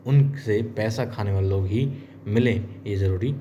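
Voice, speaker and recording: A man's voice: lowish voice, a little slow, dark tone, muffled recording, a little hiss or hum. A man casually retelling a TV serial episode, chatty, speaking to viewers as friends and acting out the characters' lines. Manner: chatty, addresses viewers as friends, acts out quotes. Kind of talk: casual storytelling recap.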